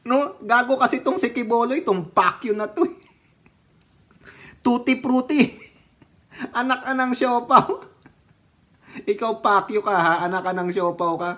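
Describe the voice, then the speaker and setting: A Filipino man talks through political news at a slow, unhurried pace. His voice sits a little high, and he mocks his targets, laughs often and slips into snatches of old songs. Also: sharp tone. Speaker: political vlogger. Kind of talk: casual political commentary.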